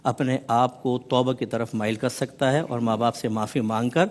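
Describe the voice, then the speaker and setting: A male religious scholar explains his teaching on a television talk show. He speaks in a measured way and builds rhythmic lists of points. His mid-range voice is sprinkled with English words. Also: medium pitch, fairly even intonation, darkish tone.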